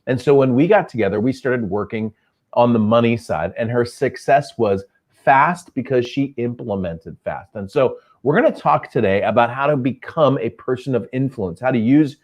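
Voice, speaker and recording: A man's voice: medium pitch, moderate pace. A man hosts a live interview over a video call. He introduces his guest and encourages her to tell her story, then reacts briefly as she talks. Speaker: host.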